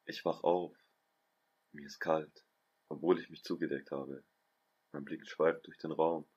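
A man reading a first-person story aloud in a calm, even storytelling voice. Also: very deep voice, measured pace, slightly rough, muffled recording. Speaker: guest narrator, host's brother.

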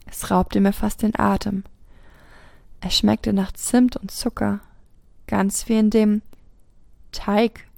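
A woman narrates a first-person erotic story in a steady reading voice. Her tone carries a light gravelly fry at mid pitch. The sound is close and dry, with no room around it. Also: slow, pauses often, no echo. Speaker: podcast host reading a story.

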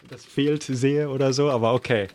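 A man playing detective in a mystery game, casually thinking aloud in a tentative, halting way. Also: medium pitch, steady tone, a little mellow, a little hiss or hum. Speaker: player acting as detective.

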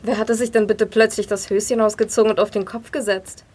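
A woman's voice: medium pitch, flat delivery, fairly quick, a little mellow, slightly rough, lightly acted. A woman voicing a gossiping tourist who taunts the others in a sly way. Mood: taunting.

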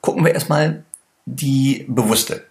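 A man's voice: medium pitch, slow pace, darkish tone. A man lecturing on body language, addressing the listener directly with many examples and frequent tag questions.

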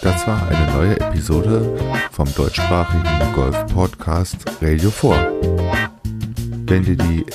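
A man's voice: low voice, slow, over loud music. A man hosting a podcast, talking casually on his own and thinking aloud a little hesitantly. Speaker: podcast host. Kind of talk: casual solo podcast talk.

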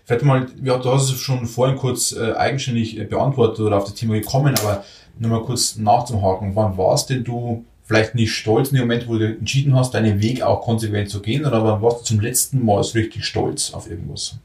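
Male podcast host, mid-pitched, casual and a bit stumbling; distant mic. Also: steady tone, brisk, darkish tone, echoey room. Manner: chatty, with stumbles and repeated words. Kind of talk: casual interview talk.

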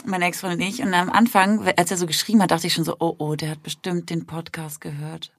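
A woman in her thirties co-hosting a podcast, telling a story in a lively way, acting out what people said and laughing loudly and often. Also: on the low side, fairly quick, dry recording. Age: 30s. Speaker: podcast co-host. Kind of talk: casual chat, storytelling.

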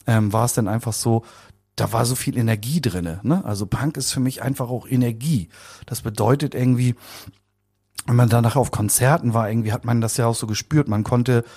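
A man around fifty is interviewed and casually recollects things in a rambling, colloquial style, often repeating words. His voice sits in the mid-range with a darkish tone.

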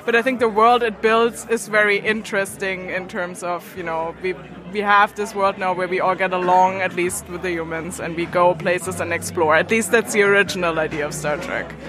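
A woman's voice: on the low side, fairly even intonation, moderate pace, a bit bright. A woman scholar giving casual interview answers, speaking up over the noise of a busy event. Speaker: science fiction scholar interviewed. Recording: noisy event with traffic sounds. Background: noisy evening event, city sounds.

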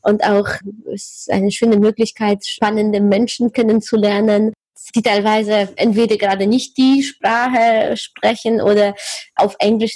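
A woman born in Poland hosting an interview podcast, speaking lively conversational German, laughing often and searching for words now and then. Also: mid-range voice, husky, dry recording, poor audio. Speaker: podcast host.

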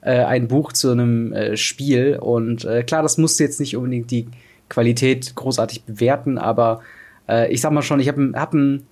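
A young man co-hosting a casual podcast, talking with many pauses and fillers. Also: mid-range voice, darkish tone. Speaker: podcast co-host.

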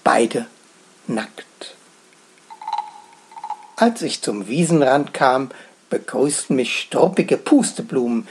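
A man narrating his own story as a guest storyteller, in a gentle, expressive telling. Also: mid-range voice, husky. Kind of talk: first-person story narration.

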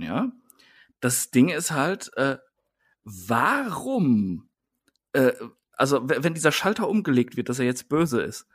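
A man co-hosting a casual wrestling podcast, ranting in an exasperated way. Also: mid-range voice. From Germany, Siegerland. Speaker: podcast co-host.

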